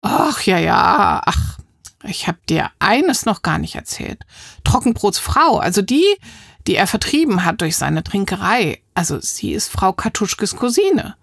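A woman's voice: medium pitch, very animated, unhurried, gravelly, dry recording, studio quality, heavily acted. A woman reading a children's audiobook, voicing a chatty, gossipy grown woman with a conspiratorial, breathless manner. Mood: confiding. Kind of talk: audiobook character voice.

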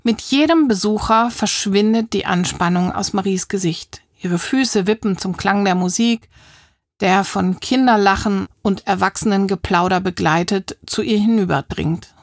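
Gravelly woman narrating a storybook. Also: mid-range voice, normal speed, dry recording, clean studio sound. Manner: lively, expressive reading. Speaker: audiobook narrator.

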